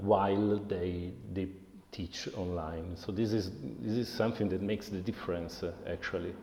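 The man has a very deep, low voice with a dark, mellow tone and fairly even intonation. He speaks at a moderate pace with audible room echo. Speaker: tech company founder. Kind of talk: interview. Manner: halting.

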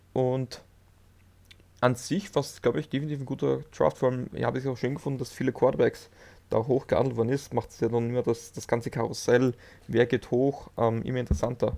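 At a fairly quick pace, a man with a medium pitch and dark, mellow tone speaks with fairly even intonation. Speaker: football podcaster. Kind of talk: casual chat. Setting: video call on Discord.

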